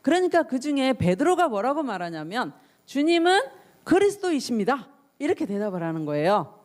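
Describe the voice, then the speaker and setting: A woman's voice: mid-range voice, expressive, brisk, a little mellow. A woman pastor giving a youth sermon. She reads scripture, then explains it in a conversational way and asks her listeners questions.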